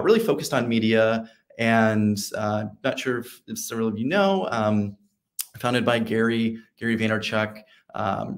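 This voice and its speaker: A man in his thirties, a guest on a video call, telling his career story in a relaxed way with many ums and restarts. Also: medium pitch. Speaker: guest speaker, creative leader. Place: home office with bookshelves, virtual background.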